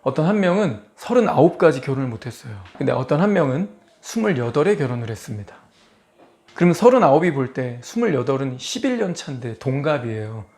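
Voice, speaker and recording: A man in his forties preaching an expository sermon as pastor, lively and full of rhetorical questions to the congregation. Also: medium pitch, brisk. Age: 40s.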